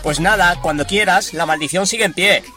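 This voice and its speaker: A man's voice: sits high, a little fast, sharp tone. An actor playing a man in a ghost costume, flirting with playful menace in an audio drama. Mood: teasing, inviting. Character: teasing man in long-haired female ghost costume. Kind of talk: audio fiction dialogue. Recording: music clearly behind the voice.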